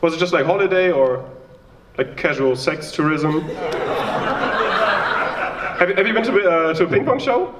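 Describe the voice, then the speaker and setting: Heard from afar in a very noisy, roomy recording, this stand-up comedian is a young man from Germany with a German accent. His voice sits on the high side, moving at normal speed with frequent pauses as he jokes about himself and chats with the audience in a small live venue.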